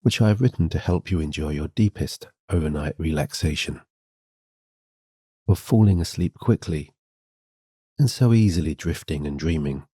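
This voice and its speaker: A man giving a scripted sleep hypnosis and guided meditation in a gentle, soothing, guiding way. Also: very deep voice, breathy edge, no echo, studio quality.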